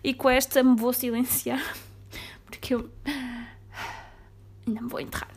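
Portuguese woman w slight beira accent ranting on her podcast, kinda high voice, goes loud then whispery. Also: flat delivery, measured pace. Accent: European Portuguese, slight Beira. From Mangualde, Portugal. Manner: chatty ranting, jumps between loud bursts and near-whispers. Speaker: podcast host. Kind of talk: casual solo podcast chat.

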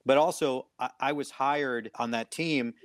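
A man who works as a voice director and actor, telling a story in relaxed, casual panel chat. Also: mid-range voice, measured pace, dry recording, studio quality. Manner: relaxed storyteller, jokes easily.

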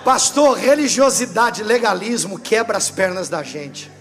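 High-voiced Brazilian pastor, lively storyteller. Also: male voice, unhurried, slight background noise. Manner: lively humorous storytelling, acting out dialogue. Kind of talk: sermon. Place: church service.

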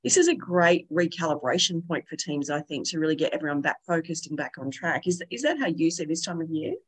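A woman with a slightly croaky, hoarse voice from being unwell, co-hosting a podcast in a relaxed, conversational way. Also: deep voice, brisk. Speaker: podcast co-host.

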